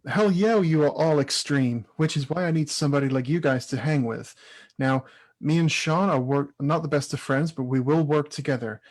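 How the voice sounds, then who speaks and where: A man's voice: a little high, moderate pace, lightly acted. A man playing an eager wrestling character in an amateur staged reading of promos.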